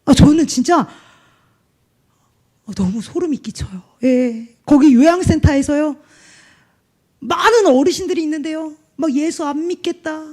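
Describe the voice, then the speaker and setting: A young woman preaches with a high, bright voice, telling her story earnestly and with strong emphasis. She leans hard on key words and acts out quotes as she speaks. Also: animated, measured pace, pauses often. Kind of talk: sermon testimony.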